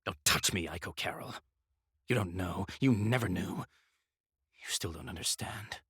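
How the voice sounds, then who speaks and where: Eerie, mournful mad mage: low, very slow, riddling and repetitive, for fantasy audio fiction. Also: male voice, fairly bright tone, breathy edge, no echo, studio quality, exaggerated voice. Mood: bitter. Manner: broken, repetitive, riddling phrases. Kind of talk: dramatised audio fiction acting.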